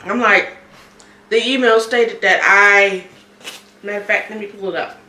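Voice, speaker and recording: A woman's voice: mid-range voice, fairly even intonation, unhurried, pushed and bright, echoey room. A woman, chatting casually on her eating vlog and telling a story with frequent laughs. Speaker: mukbang vlogger. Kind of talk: casual chat while eating.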